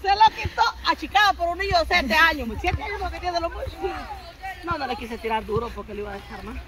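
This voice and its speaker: A woman's voice: extremely high pitch, lively intonation, fast talker, a loud crowd. Chatty woman on a field. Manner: chatty, teasing, laughing at herself. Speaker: vlogger. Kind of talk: casual chat. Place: grassy football field outdoors at dusk. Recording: outdoor noise on a phone.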